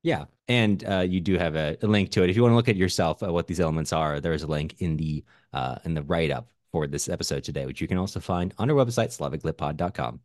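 A low-voiced man talks through literature as a podcast co-host. He explains his points casually and a little haltingly, with plenty of filler phrases. The recording is dry and free of room sound. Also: darkish tone, no room sound.

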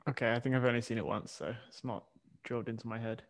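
A man's voice: mid-range voice, steady tone, quick pace. British man, podcast co-host, dry, understated, casual chat. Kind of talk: casual banter.

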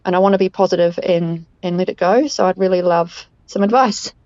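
A woman's voice: on the low side, fairly quick, darkish tone, no room sound. A woman with a New Zealand accent leaving a voicemail, hesitant and searching for words. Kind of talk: voicemail message. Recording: dull lo-fi voicemail.

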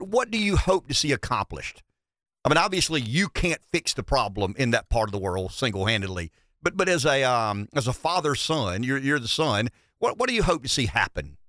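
A man with a thick deep South accent hosting a conversational interview, folksy and repeating words as he builds his questions. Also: a bit bright, no room sound, clean studio sound. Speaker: radio host, interviewer.

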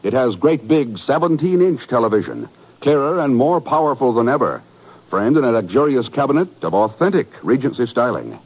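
A man's voice: mid-range voice, sing-song, normal speed, darkish tone, breathy edge. A man with an American accent announcing in the polished, declamatory manner of an old radio announcer, reading from a script. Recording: muffled vintage 1950s radio broadcast. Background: music.

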